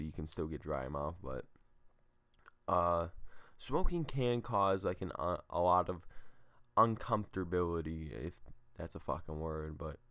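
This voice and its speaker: A man with a low voice talks like an easygoing stoner, rambling casually as if vlogging. He meanders and hesitates, trailing off and dropping in slang and loose swearing. The sound is dry and close, with very little room to it. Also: fairly bright tone, no echo. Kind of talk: casual rambling vlog talk.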